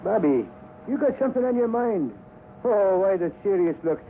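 Cheerful ranch hand, high lively voice, tinny old radio. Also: male voice, moderate pace. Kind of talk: 1950s radio acting. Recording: narrow, hissy 1950s radio broadcast.

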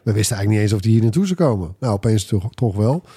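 A man's voice: fairly low pitch, lively intonation, very fast, mellow, breathy edge. A man hosting a casual tech podcast, talking in a colloquial, opinionated way. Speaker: podcast host.

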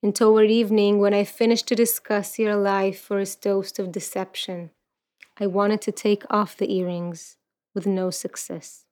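Guesting in an interview, a Ukrainian activist and poet in her thirties whose first language is Russian reflects earnestly on her life and recites a poem, often restarting. She speaks unhurriedly in a flat, mid-range, slightly mellow voice.

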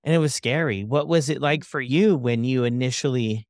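A man hosting a podcast, chatty and relaxed, often tagging "right?" onto his points. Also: mid-range voice, normal speed, dry recording, studio quality. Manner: relaxed, chatty, leans on fillers like "right?" and "you know". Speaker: podcast host. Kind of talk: conversational interview.

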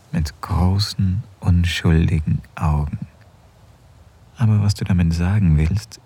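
Guy voicing a soft-spoken loving husband, deep husky voice, slow and hushed. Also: full character voice. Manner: soft, intimate, often near a whisper. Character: affectionate married man, tender and longing. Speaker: husband in an erotic audio drama. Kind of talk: intimate second-person audio drama.

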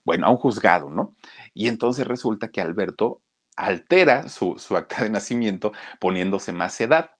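A man with a Mexican accent telling a story to his listeners, animated and speaking to them directly. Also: lowish voice. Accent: Mexican Spanish. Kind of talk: anecdotal storytelling to an audience.

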